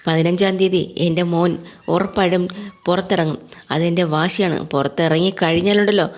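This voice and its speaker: A woman acts out an older father in a family serial, vengeful and blustering as he swears to punish his son's accusers. The voice is low and the threats come quickly and plainly. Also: steady tone, natural voice. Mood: threatening. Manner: menacing, blustering.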